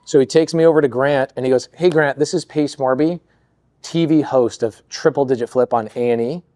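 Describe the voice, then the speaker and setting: A man telling stories as a guest on a podcast, lively and acting out quoted lines in other voices. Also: medium pitch, a little fast, no room sound, studio quality. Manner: animated storyteller, acts out quoted voices. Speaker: podcast guest, real estate investor. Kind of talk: storytelling interview chat.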